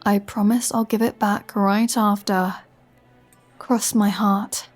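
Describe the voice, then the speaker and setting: In an ASMR roleplay audio drama, a woman plays a flirty, sardonic vampire who teases, scoffs, and makes a playful threat with a scheming air. Her mid-range voice barely moves in pitch and comes slowly, conversational and broken by sighs, over soft background music.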